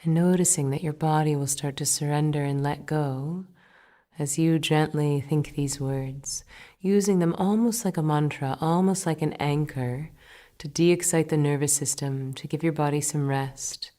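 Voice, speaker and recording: A woman meditation teacher guiding a breathing meditation in a slow, soothing, gentle way, sometimes dropping to a soft whisper. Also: low voice, fairly even intonation. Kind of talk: guided meditation.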